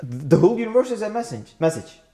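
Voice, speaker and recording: A man's voice: high voice, very animated, quick pace, dark tone. A man whose first language is Turkish, speaking English in a casual talk with short interjections and repeated words. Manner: brief interjections, repeated words, some dry humor. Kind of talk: casual explanatory dialogue.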